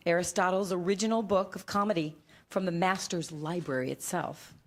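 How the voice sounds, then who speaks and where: A woman's voice: lowish voice, steady tone, lightly acted. Prim, pedantic lady scholar played by a woman. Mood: solemn, precise. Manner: formal, precise, measured. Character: prim, pedantic female scholar of Greek culture. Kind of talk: staged comedy screenplay reading.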